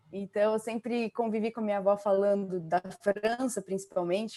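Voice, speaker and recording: Her voice dark and mellow in tone, a woman speaks at medium pitch and a moderate pace. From southern Brazil, Santa Catarina coast. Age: 20s. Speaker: exchange program advisor. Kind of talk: podcast interview. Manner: hesitant, many fillers.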